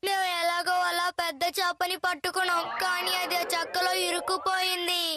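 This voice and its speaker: An eager, boastful little cave boy from a cartoon. The voice is extremely high and excitable, full of exclamations. Loud music plays underneath. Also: fairly quick. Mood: earnest. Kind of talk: Telugu cartoon dub.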